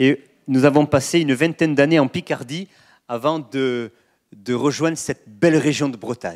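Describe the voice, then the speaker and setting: A man speaks with a slight southern French accent at a moderate pace. His pitch varies in an ordinary way, and the sound is dry and close with no echo. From southern France. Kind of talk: sermon. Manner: hesitant, repeats words.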